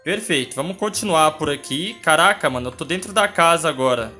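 A Brazilian man giving casual gameplay commentary as an excitable, scared horror game streamer who breaks into urgent exclamations. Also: on the high side, a little fast. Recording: music behind the voice.

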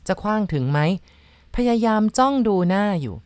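A woman narrating ghost stories in a measured, dramatic storyteller's manner, addressing her listeners politely. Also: mid-range voice, sing-song, darkish tone, smooth, no echo. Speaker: storyteller host.

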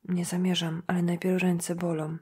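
Captive young woman, defiant, calculating, read by a woman; cool whisper, low-pitched. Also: level tone, normal speed, darkish tone, husky.

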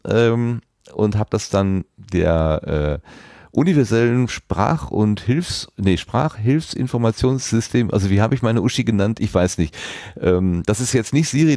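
A man's voice: lowish voice, dark tone, dry recording, clean studio sound. A man hosting a podcast in a casual, conversational style. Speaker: podcast host.

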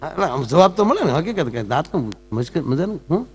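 A man's voice: fairly high pitch, very animated, quick pace, a little mellow, breathy edge. A man performing folk comedy talk on stage, teasing the audience and jumping between jokes and asides.

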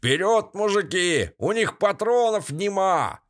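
A man voicing a crude, nasal-voiced bandit leader who shouts mocking taunts in an audiobook. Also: high-pitched, expressive, a little slow, pitched above the performer's own voice. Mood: jeering taunts.

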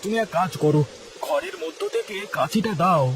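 A man's voice: sits high, very animated, a little fast, background noise. A man voicing a practical village husband in a cartoon, speaking plainly and steadily. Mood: urgent. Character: practical poor villager husband, male, calm. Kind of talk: cartoon voice acting.

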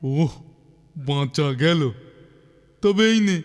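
A man voicing a clever, eager cartoon schoolboy who panics easily, with exclamatory, drawn-out delivery. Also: fairly high pitch. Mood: eager, scheming. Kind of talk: children's cartoon dubbing. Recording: long reverb, clear music behind.

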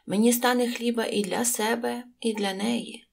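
A woman's voice: on the high side, fairly even intonation, moderate pace, gravelly, pitched above the performer's own voice. Lady doing a sneaky innkeeper guy, fake nice, talking his way into money. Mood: falsely sincere. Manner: cold, then falsely good-natured. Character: sly greedy innkeeper, middle-aged man.

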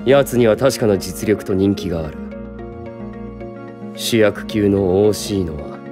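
A man's voice: fairly low pitch, measured pace, music in the background, lightly acted. An actor playing a stern, arrogant young male producer in a voice drama, speaking coldly and curtly. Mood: businesslike. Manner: cold, curt, commanding. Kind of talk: anime-style voice drama acting.

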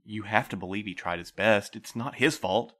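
A man playing a calm, patient middle-aged postmaster who interviews new couriers, speaking gently and in a measured way. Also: lowish voice, close to an everyday voice. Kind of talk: audio drama acting.

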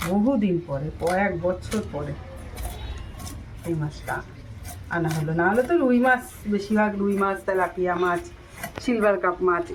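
A middle-aged woman chatting casually to viewers, repeating herself as she explains her cooking. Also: on the low side. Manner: repetitive, explaining each step to viewers. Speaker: home cooking vlogger. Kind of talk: casual vlog chat. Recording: noisy home recording with ambience.

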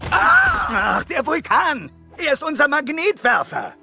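Ein exzentrischer Abenteurer-Wiesel, quirlig und überdreht. Die Stimme liegt sehr hoch und springt lebhaft. Hinter ihm läuft deutlich hörbare Filmmusik. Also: male voice, extremely high pitch, wildly swooping pitch, measured pace, gravelly, bright, forceful tone, soft background music, full character voice. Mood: excited. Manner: manic, theatrical, jumps between silly voices. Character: excitable eccentric male weasel adventurer, manic. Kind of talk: German audio drama dubbing.

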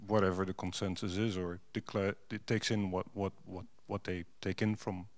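Speaking into a handheld microphone during a panel discussion on a conference stage, a middle-aged non-native English speaker fills his speech with fillers and restarts. He sits low in pitch, with a flat delivery at a moderate pace.

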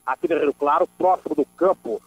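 A man's voice: on the high side, a little fast, gravelly, husky, dry recording, low-quality recording. A man from inland São delivers a police news bulletin as a reporter, emphatically, repeating phrases for stress and adding conversational asides. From Brazil. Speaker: police-beat radio reporter. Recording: dry voice over background music. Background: background music.

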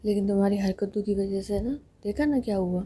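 A woman voicing a wry, shy young woman in love, speaking softly and half whispered. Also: medium pitch, a little fast, a little hiss or hum, lightly acted. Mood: tender.

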